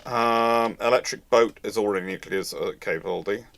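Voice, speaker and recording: A man's voice: lowish voice, fairly quick, vocal fry, fairly bright tone, a little hiss or hum. A man hosting a live question-and-answer chat, talking in a rambling way and often repeating and rephrasing himself. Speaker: host answering audience questions.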